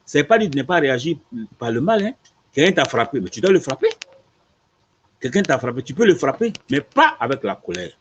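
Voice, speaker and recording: Speaking fairly quickly in a fairly high voice, a man who is an imam answers questions about a religious teaching, repeating his points and often asking "tu vois" in a lively manner. The lo-fi recording sounds dull, with slight background noise.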